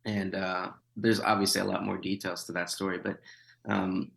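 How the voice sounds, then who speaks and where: Man in his 30s, low gravelly voice, hesitant storyteller with wry humor. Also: little pitch movement, moderate pace, a bit bright, a little hiss or hum, poor audio. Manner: hesitant, many fillers and restarts, wry. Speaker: missionary guest. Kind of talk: conversational interview.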